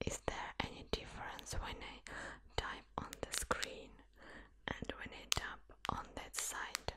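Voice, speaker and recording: A woman is whispering very slowly, with long pauses that come often. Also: big swings in loudness. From Russia. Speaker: ASMR creator. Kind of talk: ASMR video, casual talk to camera. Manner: whispered, soft-spoken. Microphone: studio mic.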